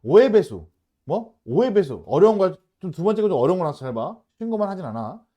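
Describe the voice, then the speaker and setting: A man's voice: high voice, big pitch swings, fast talker, mellow. A man teaching a math lesson, often checking in with his students and moving between polite and casual speech. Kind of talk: lecturing at a whiteboard.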